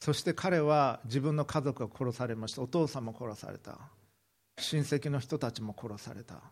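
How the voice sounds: At a moderate pace, a man talks with a slightly mellow tone and ordinary pitch variation.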